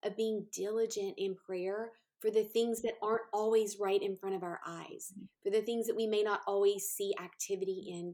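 A woman's voice: medium pitch, darkish tone. A woman podcast host speaking heartfelt encouragement to listeners, repeating phrases and using many fillers.

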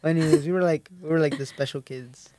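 A man's voice: a little high, steady tone, fast talker, noisy background. A young man from Mexico, a native Spanish speaker, talking casually and hesitantly with lots of fillers. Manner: hesitant, filler-heavy, soft-spoken. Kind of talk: casual chat.

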